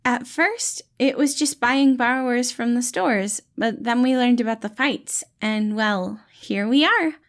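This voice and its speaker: A woman's voice: on the high side, a little slow, hardly any pauses, pitched above the performer's own voice. A woman voicing a tiny, kindly, cheerful male healer who talks in an eager, reassuring, fatherly way for a storybook. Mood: upbeat, explaining. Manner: eager, reassuring, gentle, calls people kiddo.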